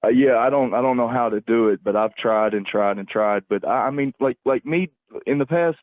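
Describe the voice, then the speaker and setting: A man calling in to a livestream over a phone, rambling casually in a halting, repetitive way as he searches for words. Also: medium pitch, no room sound. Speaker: call-in caller on a livestream. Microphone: phone call. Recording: tinny, narrow phone-call line, dry.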